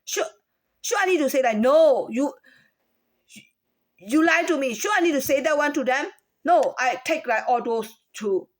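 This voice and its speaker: Chinese-accented woman with a high voice. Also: expressive. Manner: halting, repeats words, asks rhetorical questions. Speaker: former store employee. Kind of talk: personal account of a workplace complaint.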